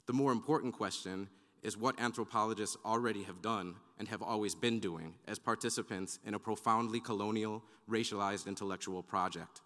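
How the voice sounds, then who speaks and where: Male panelist, lowish voice, measured formal reading, long hall reverb. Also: steady tone, sharp tone. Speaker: conference panelist. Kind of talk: reading prepared academic remarks.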